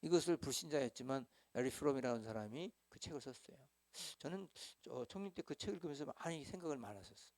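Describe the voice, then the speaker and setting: A man's voice: medium pitch, expressive, fast, a little mellow. A middle-aged man, a senior pastor, teaching small-group leaders in a church hall. He is talkative, acts out quoted dialogue, and keeps asking his listeners to respond.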